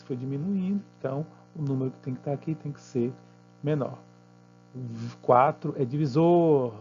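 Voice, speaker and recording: A Brazilian man teaching math, walking students through exercises patiently and checking in with quick tag questions. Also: medium pitch, mellow, highs cut off. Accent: Brazilian Portuguese.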